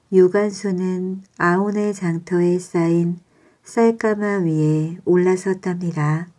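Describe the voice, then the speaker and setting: A woman telling a bedtime story in a calm, measured, soothing way. Her voice is mellow and a little low, and she takes her time over every phrase.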